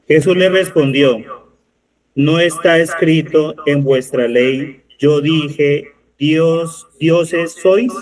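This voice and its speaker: A man from the congregation reading scripture aloud in a careful, measured way. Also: on the high side, darkish tone, rough recording. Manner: careful and measured, corrects himself when reading.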